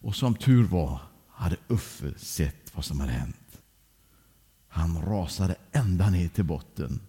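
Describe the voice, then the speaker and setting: A man telling a children's story aloud in a lively way, speaking directly to young listeners. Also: deep voice, husky, big-room sound.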